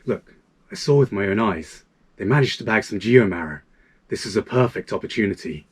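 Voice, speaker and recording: A man voicing an irritated, scheming thief for a video game, with a gruff, scornful delivery. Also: lowish voice, lively intonation, fairly quick, recorded from a distance, pitched below the performer's own voice. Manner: exasperated, sighing, scornful. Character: irritated, scheming male thief eyeing an opportunity.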